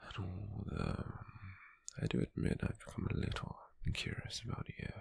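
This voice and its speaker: A British man playing a possessive, calculating, smug slave merchant in a hushed ASMR roleplay, with a husky, breathy, gravelly voice and a slow, deliberate delivery. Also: natural voice. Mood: curious, menacing. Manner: slow, deliberate, with lingering pauses.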